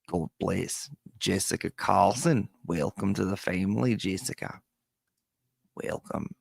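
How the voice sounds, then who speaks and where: A man's voice: low-pitched, gravelly, darkish tone, no echo. A man with whistling s sounds, chatting casually as a livestream host and reading out viewer messages.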